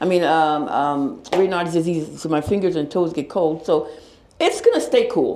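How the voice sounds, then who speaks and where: Delivered at a fairly quick pace, the dark, mellow tone carries ordinary pitch variation and audible room echo. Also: woman. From Caribbean. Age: 60s. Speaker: rancher. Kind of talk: casual chat.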